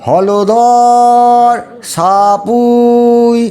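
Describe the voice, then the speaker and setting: A man's voice: extremely high pitch, fairly even intonation, drawn-out words, dark tone, soft background music, full character voice. A man playing an officious court crier, formally calling out a summons in a stretched chant in a comic audio drama.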